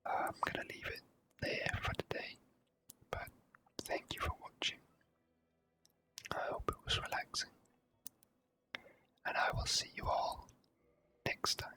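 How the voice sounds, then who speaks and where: A person whispering slow, gentle ASMR commentary while playing a video game. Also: very high voice. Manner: hushed, gentle, slow and unhurried. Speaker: video game player and host.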